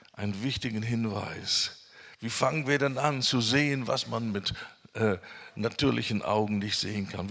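A man preaching a sermon with emphasis, drawing out key words slowly when he lists them. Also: fairly low pitch, gravelly, fairly bright tone, slightly rough. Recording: long reverb of a hall.

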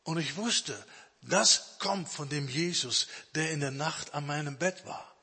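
A man preaching a sermon testimony, emphatic, stretching some phrases out slowly. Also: on the high side, vocal fry, pushed and bright, husky. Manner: emphatic, with slow drawn-out phrases. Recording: long hall reverb.

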